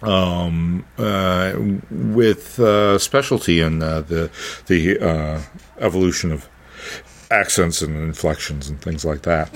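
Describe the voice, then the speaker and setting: A man's voice: low voice, takes it slowly. A male podcast host talks casually. He is hesitant, stammering over small words and repeating them while he hunts for what to say.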